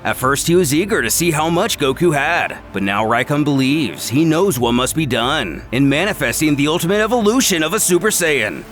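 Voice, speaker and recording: A man's voice: fairly high pitch, animated, moderate pace, hardly any pauses, fairly bright tone, faint music behind. A man narrating a scripted action story in a dramatic, theatrical way, stretching words for emphasis.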